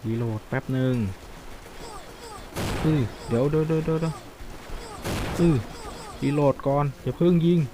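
Excitable man commenting on a mobile game. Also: mid-range voice, noisy background. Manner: chatty, excitable, reacts loudly to the action. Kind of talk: casual gameplay commentary. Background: game music.

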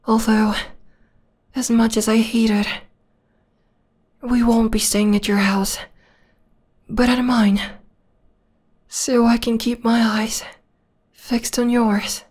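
Woman playing a slow, soft-spoken obsessive vampire girl. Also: on the high side, flat delivery. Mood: softly possessive. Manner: soft, breathy, intimate, often dropping into whispers. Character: obsessive, possessive young vampire girl, sweetly menacing lover. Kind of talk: ASMR roleplay.

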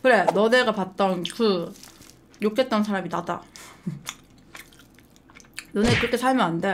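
A young adult woman hosting an eating show, chatting frankly and telling stories between bites. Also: medium pitch. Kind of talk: casual eating-show chat. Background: faint background music.

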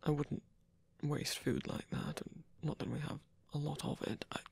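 A man acts out a wounded villain in an intimate ASMR roleplay. His husky murmur crackles with fry and sits very dry and close. He speaks haltingly and formally, flustered and softening into tenderness. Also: on the high side, fairly even intonation, dry recording, exaggerated voice. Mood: hesitant, tender.

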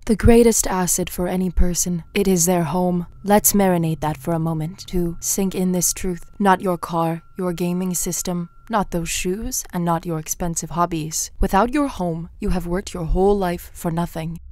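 A woman's voice: lowish voice, steady tone, normal speed, hardly any pauses, mellow. A young adult woman voice actor reading scripted commercial narration.

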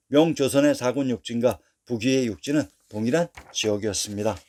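With a mid-range voice, a man narrates history in a formal, even, scripted style, reciting a string of dates and places.

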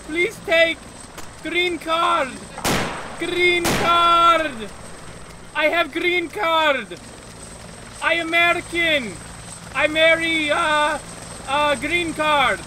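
A man putting on a loud, simple village man who shouts in broken English, his voice pitched very high and his words dragged out slowly. Game noise hums behind him. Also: fairly even intonation, full character voice. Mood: pleading. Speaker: game player.

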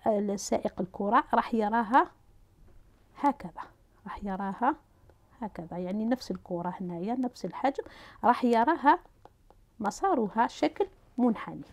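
Speaking in a fairly high, expressive voice, a woman with an Algerian Arabic accent guides students step by step through physics while writing and drawing. She often pauses on fillers and starts her sentences over.

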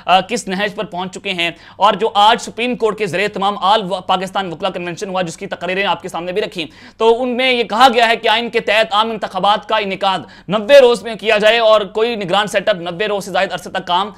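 A man's voice: high-pitched, fairly even intonation, brisk, few pauses, a bit bright. A young man from Pakistan giving urgent political news commentary to a lapel mic, with many filler sounds. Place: home office with bookshelves.

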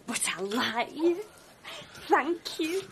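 A woman's voice: sits high, animated, takes it slowly, a loud crowd, exaggerated voice. An actress playing a flirtatious, teasing woman in a television soap drama. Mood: flirty. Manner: flirty, teasing, sometimes breathy.

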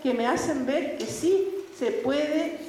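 A woman, telling personal faith stories in an animated way, laughing often and acting out the people she quotes. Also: sits high, takes it slowly. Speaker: speaker giving a faith testimony. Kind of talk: religious talk with personal stories. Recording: echoey hall with faint background noise.

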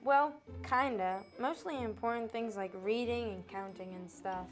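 A friendly young schoolboy in a children's puppet show, voiced by a woman. The voice sits a little high, eager and open. Faint music plays behind. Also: measured pace, lightly acted.

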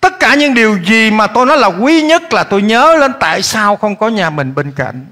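A male pastor, preaching a lively sermon that swings between loud urging and quiet asides while he keeps questioning the congregation. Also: high-pitched, normal speed. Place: church hall. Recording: echoey church hall.

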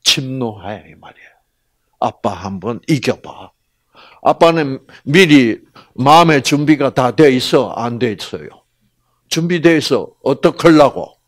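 A man giving a religious lecture to an audience, animated, asking rhetorical questions and acting out the people in his stories. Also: mid-range voice, a little slow, no echo. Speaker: health lecturer.

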